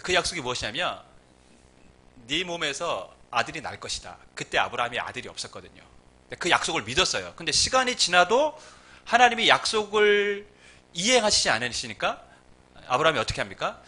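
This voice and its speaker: A man's voice: high voice, bright, forceful tone. A male pastor preaching a sermon in a humorous, storytelling way.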